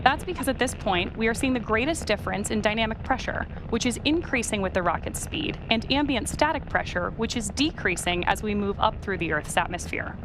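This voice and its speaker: A woman's voice: fairly high pitch, expressive, brisk, hardly any pauses, music in the background, poor audio. A woman hosting a live launch webcast, explaining things step by step as commentary.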